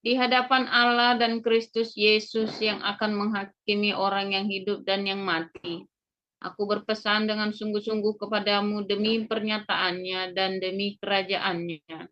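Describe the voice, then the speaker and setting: A woman reading Bible verses aloud in a measured, formal recitation, on slightly dull audio. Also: medium pitch, level tone. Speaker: scripture reader.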